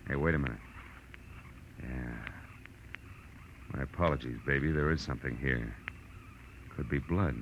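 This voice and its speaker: An actor playing a tired, brusque, wisecracking private detective in a 1940s radio drama. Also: male voice, very deep voice, moderate pace, pauses often, lo-fi sound, slight background noise. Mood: weary, sardonic. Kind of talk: 1940s radio drama acting and first-person narration. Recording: old radio recording with music.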